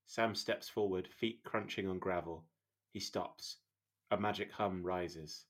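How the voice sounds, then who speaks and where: A man's voice: deep voice, takes it slowly. A man reading stage directions as scripted narration at an audio drama table read.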